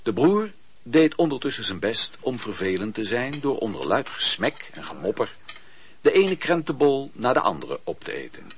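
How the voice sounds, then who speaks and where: A man reading scripted literary narration for a radio play, with a husky voice and a measured, expressive storytelling delivery. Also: medium pitch, a little hiss or hum. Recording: muffled, dull, dry radio play recording.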